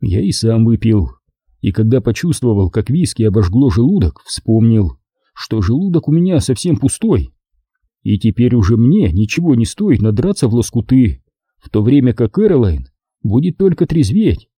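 A man narrating an audiobook in first person, measured and wry. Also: medium pitch, very animated, dark tone, slightly rough, dry recording, studio quality.

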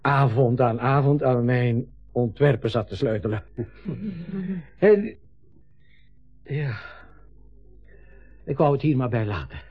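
A man's voice: mid-range voice, slow, long pauses. An actor playing a modest older railway engineer in a radio play, hesitant and self-deprecating in his talk. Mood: modest, wry. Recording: dull radio recording, music behind.

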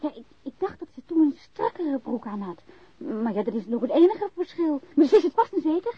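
A woman playing an excitable bank cashier in a radio drama, gushing and insisting as an emphatic witness. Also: high voice, fairly quick, no echo. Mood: excited, certain. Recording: dry, dull radio drama recording.

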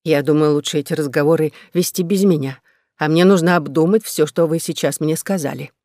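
A man voicing a nun of almost sixty, anxious and caring, speaking with soft hesitation. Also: fairly high pitch, a little fast, dry recording, studio quality, close to an everyday voice. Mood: withdrawn.

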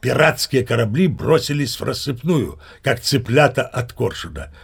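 A man with a medium-pitched, creaky voice talks at a normal speed, very animated, over slight background noise. He's an actor in an audio play, voicing a boastful old sea captain who chats to the listener while spinning tall tales. It's a chatty, self-satisfied storytelling monologue delivered in a boastful mood.

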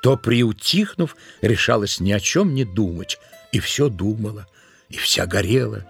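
A man's voice: fairly low pitch, expressive, measured pace, vocal fry, slightly rough, heavily acted. A man reading scripted literary narration as the narrator of an audio play. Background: music.

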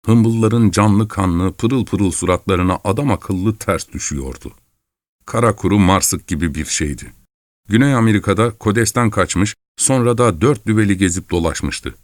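Low-voiced male audiobook narrator. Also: a little mellow, no room sound, clean studio sound. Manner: measured, storytelling. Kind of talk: scripted literary narration.

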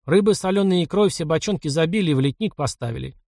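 Young hunting-camp lad, done by a man, eager, brisk report, slightly high, dry. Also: lively intonation, darkish tone, dry recording.

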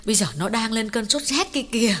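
A man voicing an anxious older mother pleading with her husband in a high falsetto. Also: quick pace, pushed and bright. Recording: long hall reverb, faint music.

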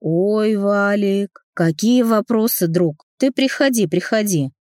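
A woman's voice: lowish voice, unhurried, darkish tone, no room sound, clean studio sound, close to an everyday voice. A woman reading an audiobook, voicing a male boss who keeps a friendly tone on the phone before threatening. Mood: falsely jovial. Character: older brother and boss, calm then menacing.

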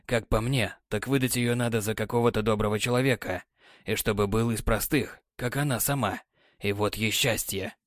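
Brief: gruff, sighing old sea captain, read by a male narrator, low and quiet. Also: steady tone, normal speed, no echo, studio quality, lightly acted. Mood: weary. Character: weary, gruff older sea captain, tender husband. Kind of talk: audiobook character voice.

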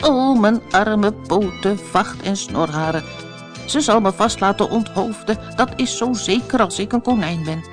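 A woman's voice: medium pitch, expressive, over music, lightly acted. A woman voicing a nervous, fussy male white rabbit who turns stern and scolding in a storybook. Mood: fretful. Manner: anxious, fussy, slow mumbling.

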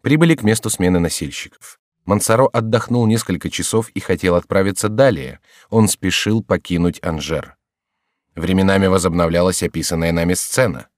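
Male audiobook narrator, deep and dry, measured dramatic delivery. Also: no echo. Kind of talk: scripted literary narration.

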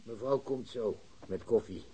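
A man's voice: on the low side, a little slow, warm tone, husky, rough recording. A man playing an older, homely and chatty father in a radio drama. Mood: chatty, eager. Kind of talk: Dutch radio drama dialogue.

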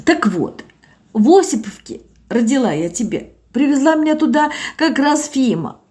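A woman's voice: sits high, lively intonation, moderate pace, darkish tone, voice pushed up. A woman voicing a tearful older village woman who talks in a sing-song, folksy way and sobs as she speaks.

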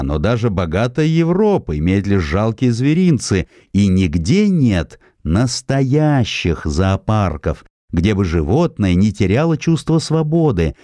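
A man's voice: lowish voice, dark tone, dry recording, voice pushed up. A man voicing an earnest landowner and naturalist devoted to animals, in an audiobook. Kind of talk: audiobook narrator quoting a character.

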